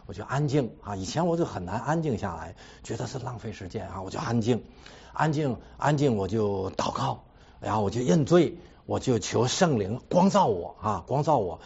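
Delivering his testimony to a church congregation at normal speed, this husky man with a medium-pitched voice swoops animatedly through his story and pokes fun at himself. Repeated phrases, a trailing "ha" out of habit, and chuckles between points mark his style, captured on a dull lo-fi recording.

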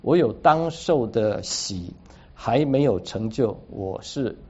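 A man's voice: medium pitch, animated, slow pace, mellow, husky. A man preaching a sermon, teaching through a Bible passage in an explanatory way and dropping English words into his speech. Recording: dull lo-fi recording.

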